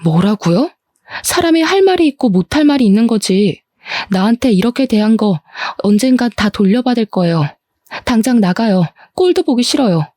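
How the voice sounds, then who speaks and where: A woman voicing a grieving young wife who tearfully shouts accusations at her mother-in-law. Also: fairly high pitch, lively intonation, normal speed, no echo, clean studio sound. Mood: furious.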